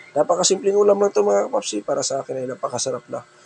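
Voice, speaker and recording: Noticeable background noise is present. Over it, a man speaks very fast. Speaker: vlogger. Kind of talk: eating vlog, casual talk to viewers. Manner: mouth full, eating while talking.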